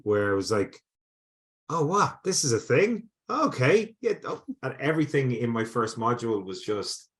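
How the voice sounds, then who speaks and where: Speaking in a lowish voice, this Irish man, a lecturer in sports psychology, handles interview questions in a relaxed, chatty way, frequently starting over and repeating himself.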